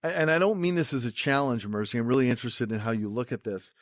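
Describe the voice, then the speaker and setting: A man's voice: mid-range voice, lively intonation, quick pace, dry recording, clean studio sound. A man hosting a casual interview, asking long rambling questions full of restarts. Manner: rambling, hesitant with many restarts. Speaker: podcast host.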